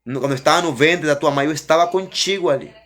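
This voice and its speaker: A man quoting God as a tender father reassuring his son, gentle and unhurried. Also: a little high, natural voice.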